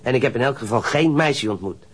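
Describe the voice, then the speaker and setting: A man's voice: mid-range voice, expressive, brisk, slightly rough. An actor playing a surly, defensive young male ship's stoker in a radio crime drama, coarse and sullen, stammering when riled. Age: young adult.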